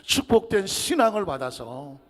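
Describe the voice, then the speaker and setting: A man's voice: a little high, sing-song, moderate pace. A man preaching a Sunday sermon as pastor, telling a story and asking the congregation questions. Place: church sanctuary. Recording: long hall reverb in a church.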